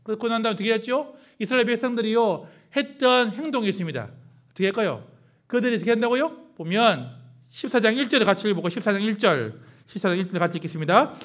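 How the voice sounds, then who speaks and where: Animated, high-pitched male preacher. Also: fast talker. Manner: call-and-response preaching with many questions to the congregation; swings from hushed to loud, exclaiming passages. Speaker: pastor. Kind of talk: sermon.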